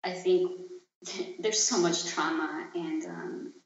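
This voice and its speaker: Taking it slowly in a mid-range voice, a Chilean artist-activist in their late 20s answers interview questions as a podcast guest. The replies are thoughtful and searching, frequently faltering and trailing away. The lo-fi recording, made in an echoey room, sounds dull and roomy.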